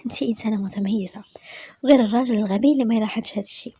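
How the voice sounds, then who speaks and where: A woman's voice: a little high, racing, dark tone, breathy edge, dry recording. A confident, persuasive man, as a Moroccan woman reads him.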